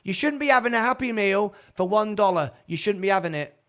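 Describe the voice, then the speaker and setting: High-voiced chatty male call-in host. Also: expressive, brisk, a bit bright. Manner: chatty, repeats himself, stumbles over words. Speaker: show host. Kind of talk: live call-in chat show. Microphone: video call.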